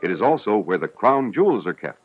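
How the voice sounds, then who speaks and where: A man reading scripted narration for an educational film in a measured, formal, explanatory way. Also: on the low side, big pitch swings. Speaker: documentary narrator. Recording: dull, hissy 1970s educational film soundtrack.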